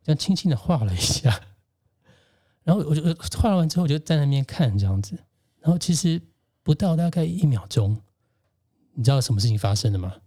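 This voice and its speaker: Reflective man, mellow tone. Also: on the high side, very animated, a little fast, pauses often. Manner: reflective, gentle, recounts childhood memories. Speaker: guest and co-host, facilitator. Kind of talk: casual personal storytelling.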